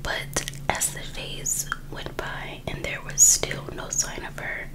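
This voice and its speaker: A woman softly whispering an ASMR reading as host, in a hushed, unhurried storytelling manner. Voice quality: soft unvoiced whisper. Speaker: ASMR host reading a true crime book.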